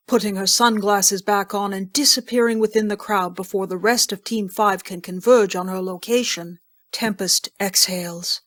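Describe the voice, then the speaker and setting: Female narrator for an audio drama, mid-pitched, measured and descriptive, reading scripted scene directions.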